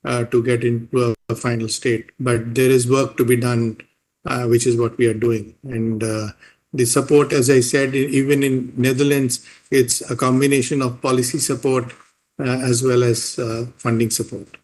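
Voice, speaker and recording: A man gives formal corporate answers at a medium pitch. He is deliberate, building his sentences in halting pieces as an executive on a call. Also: level tone, a little mellow. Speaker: company finance executive. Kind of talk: answering questions on an earnings call.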